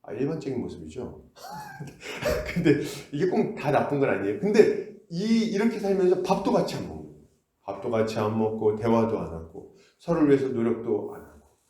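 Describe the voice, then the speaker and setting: A male pastor preaches a conversational sermon in a church sanctuary, frequently asking the congregation questions and acting out scoldings. His medium-pitched voice is dark and swoops wildly in pitch at a normal speed. The room is echoey.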